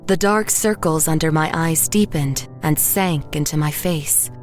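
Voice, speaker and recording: Anxious female painter, lowish voice, haunted, measured horror-drama narration, brooding, faint music behind. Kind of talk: scripted first-person horror audio drama narration. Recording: music underneath the voice. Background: background music.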